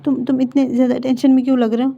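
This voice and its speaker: A woman's voice: sits high, little pitch movement, very fast, vocal fry, dark tone. A woman voicing a prying, teasing young female college friend, in a dull lo-fi recording. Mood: curious.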